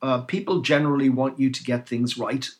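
A man's voice: medium pitch, fairly even intonation, fairly quick. A man, a novelist guest, speaking in a self-deprecating, anecdotal way with frequent restarts. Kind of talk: casual interview chat.

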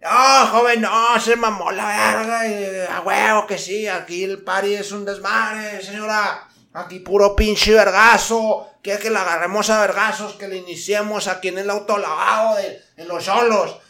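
A man's voice: high voice, fairly even intonation, moderate pace, vocal fry, few pauses, bright, forceful tone, pitched above the performer's own voice, exaggerated voice. A man voicing a brash, swaggering young cholo car washer with a Mexican accent who mocks a customer crudely. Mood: rowdy. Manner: crude, taunting, rowdy.

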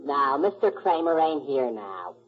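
A man's voice: on the high side, loud music behind the voice. An actor playing a dim-witted, childish young man, naive and proud of himself, in 1940s radio drama style. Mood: dopey, vacant. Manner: slow-witted, naive, ungrammatical. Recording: muffled old radio recording.

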